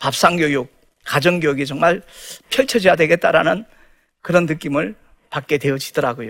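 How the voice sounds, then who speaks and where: A man is speaking. His pace is moderate. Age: 60s. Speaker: pastor and taxi driver. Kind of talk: testimony.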